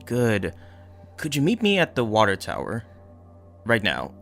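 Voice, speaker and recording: A man's voice: on the low side, huge pitch swings, measured pace, vocal fry, fairly bright tone, faint music behind, full character voice. A man acting a terse police officer in an audio drama, speaking in a clipped, commanding, official manner. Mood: businesslike, cryptic.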